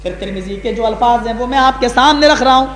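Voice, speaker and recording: A male Islamic preacher giving a sermon to a gathering, telling stories with passion and rising high on key words. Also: fairly bright tone, a little hiss or hum. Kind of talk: Urdu sermon with dramatic storytelling. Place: large hall, live gathering. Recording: echoey hall with long reverb.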